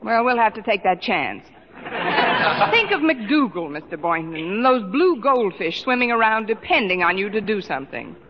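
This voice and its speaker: An actress playing a wry, quick-witted female schoolteacher in 1940s radio comedy style, dry and sardonic. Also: mid-range voice, sing-song, lightly acted. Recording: muffled old radio broadcast, reverb, faint hiss.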